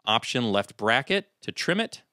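A middle-aged man hosting a software tutorial, calmly walking through each step at his computer. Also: mid-range voice, moderate pace, no room sound, clean studio sound. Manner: calm step-by-step explaining. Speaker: video tutorial host. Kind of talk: screen-recorded software tutorial.

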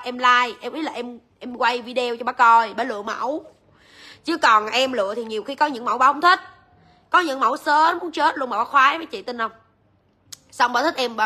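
Woman live selling jewelry, chatty, talks right at viewers, bright voice. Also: sits high. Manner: chatty, addresses viewers directly. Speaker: livestream jewelry seller.

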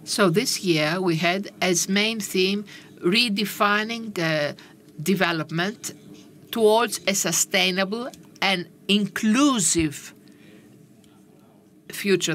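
A woman giving simultaneous interpretation of a panel discussion, with a halting, measured delivery and frequent pauses. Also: lowish voice, a bit bright, a little hiss or hum. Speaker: conference interpreter.

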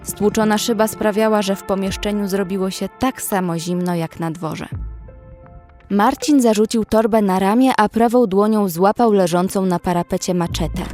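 A woman's voice: mid-range voice, dark tone, natural voice. A woman playing a young female survivor who narrates a horror audio drama in the first person. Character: young female survivor recounting a frozen zombie outbreak. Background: faint music.

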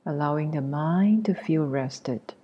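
A woman leading a guided meditation as a teacher, speaking gently with long pauses in a soft, breathy voice that nears a whisper. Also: low voice, lo-fi sound. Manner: gentle, unhurried, long pauses between short phrases.

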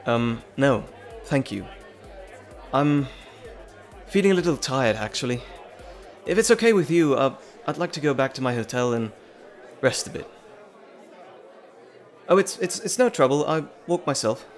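A man's voice: mid-range voice, lively intonation, unhurried, pauses often, faint music behind, some chatter behind. A man playing an earnest, nervous scientist and professor in an audio drama, with hesitant, stammering, wordy and formal speech. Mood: flustered, awkward. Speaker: voice actor. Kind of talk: dramatic roleplay audio acting.

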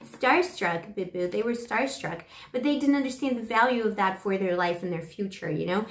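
A woman with a flu-hoarse voice giving a playful, rambling tarot reading to camera on a lapel mic. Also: mid-range voice, moderate pace, reverberant, slight background noise. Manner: gushing, playful, rambling with fillers. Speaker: tarot reader. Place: small bedroom with kitchenette. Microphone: clip-on lapel mic.

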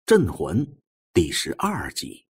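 A man narrating a novel as an audiobook, with measured, expressive, dramatic storytelling. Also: sits low, gravelly, breathy edge.

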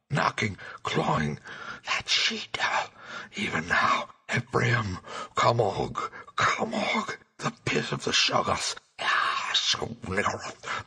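A man's voice: mid-range voice, vocal fry, pushed and bright, slightly rough, pitched above the performer's own voice, full character voice. A terrified, hysterical man, strained and breathless. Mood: panicked frenzy. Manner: shrieking and gasping, breaking into feeble whispers. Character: terrified, hysterical man raving in cosmic panic.

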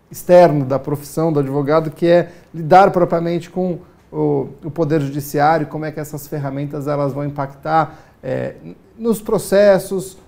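A man in his forties with a warm, gravelly voice, speaking as a studio guest on a TV morning program. He talks in a formal, measured way, stopping often on small fillers. His lapel mic picks him up clearly in the studio. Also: on the high side. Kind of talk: TV interview answers. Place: TV news studio.

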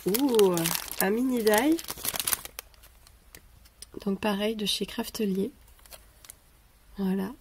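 A woman's voice: medium pitch, darkish tone, slight background noise. Woman with a cold, unboxing crafts. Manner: hesitant, many pauses and "euh" fillers. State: has a cold, stuffy voice. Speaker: craft vlogger. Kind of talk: casual unboxing chat. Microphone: camera over a tabletop, speaker off-frame. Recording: paper crinkling and clicks behind.

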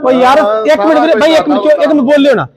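A man's voice: very high-pitched, steady tone, very fast, low-quality recording. A man, a charity volunteer, questioning people outdoors in a village and appealing to viewers in an emotional, pleading and consoling way. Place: outdoors in a village among a crowd. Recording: crowd chatter behind.

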